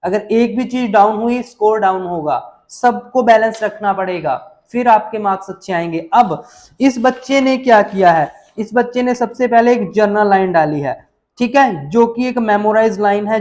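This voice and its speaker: A high-pitched, slightly mellow male voice at normal speed teaches exam essay writing. He walks students through on-screen examples, speaking emphatically, repeating his warnings, and calling the viewers kids.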